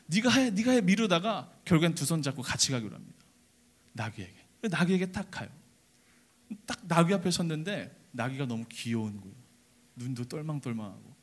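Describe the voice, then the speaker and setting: A young adult man, a junior pastor, preaching an animated storytelling sermon. He acts out the characters and asks the congregation questions. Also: fairly high pitch. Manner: speaks directly to the congregation with questions. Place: church service.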